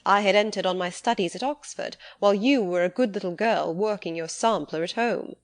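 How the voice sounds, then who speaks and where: A woman voicing a witty young gentleman in an audiobook, playfully mock-serious and pedantic with formal phrasing. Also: medium pitch, a little fast, lightly acted. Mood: teasing.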